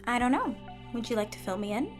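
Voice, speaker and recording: A woman's voice: a little high, lively intonation, fast, soft background music, natural voice. A woman playing a sly, helpful hospital nurse in a fiction podcast, self-assured and teasing.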